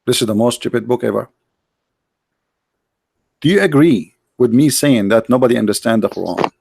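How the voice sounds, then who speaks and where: A man's voice: medium pitch, expressive, normal speed, vocal fry, a little mellow, husky, dry recording. A man from the Arab world, a native Arabic speaker, pressing his points in a heated debate with repeated, interrupting questions.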